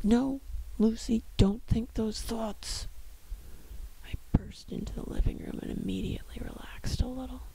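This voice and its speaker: A woman's breathy whisper at a moderate pace. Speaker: author reading her own novel chapter, ASMR creator. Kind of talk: ASMR whispered storytime reading of a novel chapter. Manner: whispered, breathy, soft-spoken. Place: home room. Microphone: handheld.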